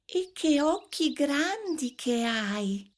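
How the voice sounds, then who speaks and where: Little Red Riding Hood, tiny high girl voice. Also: very animated, heavily acted. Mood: wondering. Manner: high, slow, wondering questions.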